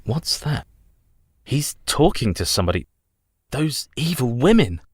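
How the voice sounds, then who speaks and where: A man's voice: mid-range voice, sing-song, measured pace, a little mellow, breathy edge. A man as a trapped, anxious young Englishman. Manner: urgent, anxious. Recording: reverberant hall with music.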